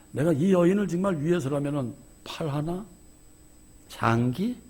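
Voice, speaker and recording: A man preaching a sermon as pastor. He tells candid stories about himself and swings between hushed asides and shouted emphasis. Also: mid-range voice, gravelly, breathy edge. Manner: candid, self-deprecating storytelling. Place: church.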